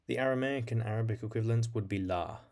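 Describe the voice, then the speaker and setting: A man's voice: on the low side, quick pace, darkish tone. A man hosting an educational video, reading scripted narration in an explanatory style. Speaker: video host.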